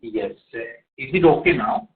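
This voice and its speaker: A man, heard over a phone line, asking an analyst's question on a conference call, halting and full of fillers. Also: mid-range voice, expressive, slightly rough. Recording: tinny, echoey phone line.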